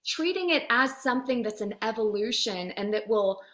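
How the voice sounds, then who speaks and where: A woman with a somewhat high voice talks as a guest in an interview. She explains conversationally and makes her points emphatically, building them in short repeated phrases. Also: expressive, normal speed, fairly bright tone. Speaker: voice actor and demo producer, interview guest.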